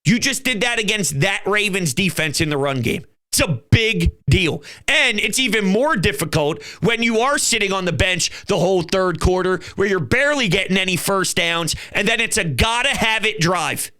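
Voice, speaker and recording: A man's voice: high-pitched, expressive, normal speed, hardly any pauses, bright, forceful tone. A man hosting his own fan channel, talking football in an emphatic, fired-up way and swearing now and then. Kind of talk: fan commentary vlog.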